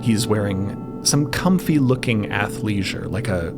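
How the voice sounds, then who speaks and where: Male story narrator, theatrical and playful, highly animated intonation, unhurried, prominent music bed. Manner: dramatic, playful. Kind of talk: theatrical scripted narration with casual asides. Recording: loud music bed under voice. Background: loud music.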